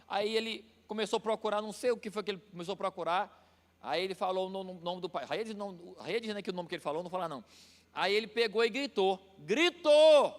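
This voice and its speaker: A middle-aged Brazilian man preaching a sermon as pastor, emphatic and repeating phrases slowly for stress. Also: high voice, big-room sound. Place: church hall.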